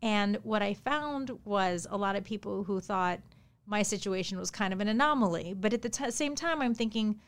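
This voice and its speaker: A woman author from the New York City area, with Japanese as her first language, telling her story in an animated interview. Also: mid-range voice, moderate pace. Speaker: author, podcast guest.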